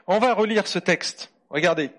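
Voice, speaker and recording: A man's voice: high-pitched, normal speed. A man preaching a conversational sermon to children and adults, often questioning his listeners. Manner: asks the audience lively questions.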